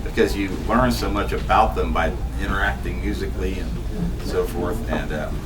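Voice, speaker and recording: A man's voice: low-pitched, fairly even intonation, moderate pace. A man reading his poems at a bookstore event, chatting between them with many ums and self-deprecating laughs. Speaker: poet reading his work. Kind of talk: live poetry reading with casual asides. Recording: distant camera audio with room noise.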